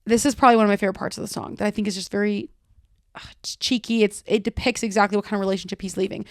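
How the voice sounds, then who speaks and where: A woman's voice: medium pitch, steady tone, very fast, dry recording, studio quality. A woman hosting a casual solo podcast, chatty and loose, talking through song lyrics line by line with lots of "like" and "kinda". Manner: full of filler words like "like" and "kinda". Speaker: podcast host.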